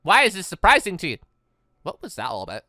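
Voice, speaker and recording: Bright, animated let's play commentator. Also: mid-range voice, fast, no echo, studio quality. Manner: rambling, expressive, emphatic. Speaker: gaming YouTuber, let's play host. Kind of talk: casual let's play commentary with reading dialogue aloud. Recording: game music playing behind voice. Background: visual novel game music.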